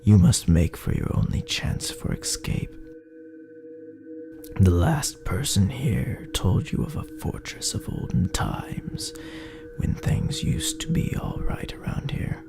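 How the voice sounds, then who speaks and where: A man narrating a dark horror story in a brooding, theatrical, gravelly voice that often drops toward a breathy near-whisper. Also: low-pitched. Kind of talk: dramatic horror story narration in second person.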